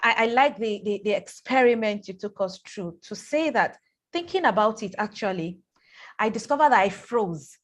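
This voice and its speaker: A woman hosting a live online talk, speaking warmly and haltingly, often repeating words as she thinks. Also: mid-range voice, animated. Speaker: host.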